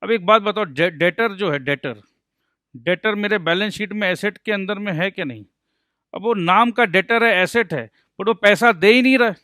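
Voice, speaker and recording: A man's voice: high voice, moderate pace, sharp tone, no echo, clean studio sound. A man teaching accountancy in a lecture, talking in a playful way, joking to explain points and answering his own questions as if he were a student. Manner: playful, mixes Hindi and English, jokes to explain. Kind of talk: recorded lecture.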